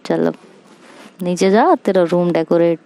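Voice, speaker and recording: A woman's voice: fairly low pitch, measured pace, vocal fry, mellow. A woman voicing a bossy, teasing young woman friend who talks in a breezy, coaxing way.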